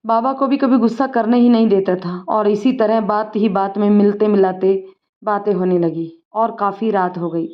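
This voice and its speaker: A shy young village man in love speaks softly and apologetically, put on by a woman reading a storybook. His middle-pitched voice stays gentle and bashful. The recording is muffled and lo-fi. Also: fairly even intonation, moderate pace, natural voice. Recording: dull lo-fi recording.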